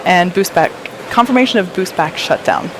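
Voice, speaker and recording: A woman's voice: lowish voice, animated, normal speed. A woman giving explanatory live commentary as host of a rocket launch webcast. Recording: crowd and loud noise behind.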